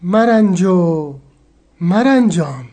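A wise old sheikh in a radio drama, his voice set high for a man and his counsel slow and measured. He teaches patiently, laying each point out one by one. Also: a little mellow. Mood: calm, instructive.

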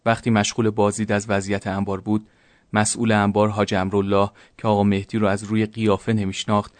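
A man narrating a scripted story in a flat, even manner. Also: lowish voice, dry recording.

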